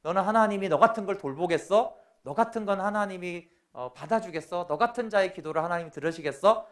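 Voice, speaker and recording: A man's voice: high-pitched, quick pace, pitched above the performer's own voice, close to an everyday voice. A man voicing Satan as a scornful male accuser who taunts a sinner with belittling questions. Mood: taunting.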